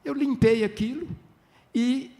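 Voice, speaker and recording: A man's voice: very high-pitched, takes it slowly. An older man from Minas Gerais, telling chatty stories as a writer on a literary festival panel, often acting out dialogue. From Minas Gerais, Brazil. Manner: lively, chatty, tag questions, acts out dialogue.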